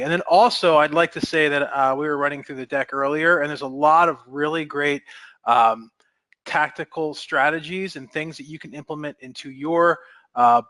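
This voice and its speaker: A man's voice: fairly high pitch, a bit bright, no room sound. A man moderating a webinar, giving upbeat announcements full of fillers. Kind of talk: webinar hosting.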